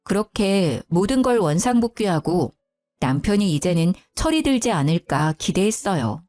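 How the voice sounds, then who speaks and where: A woman narrating a dramatic first-person story in a scripted, expressive way. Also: lowish voice, normal speed, faint music behind. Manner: expressive, heated when telling of her anger.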